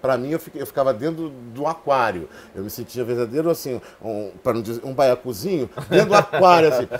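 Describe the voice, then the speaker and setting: A man's voice: mid-range voice, brisk, crowd noise. A middle-aged man, an actor and theatre author, talking as a guest and acting out the people in his stories. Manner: lively storyteller, acts out voices and quotes. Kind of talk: animated talk show conversation.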